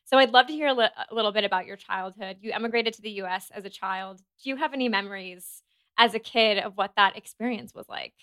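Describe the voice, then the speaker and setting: A woman's voice: medium pitch, quick pace, a bit bright, clean tone. A woman hosting an interview who asks her guest questions in an enthusiastic, affirming way. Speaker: podcast host. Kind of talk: conversational interview.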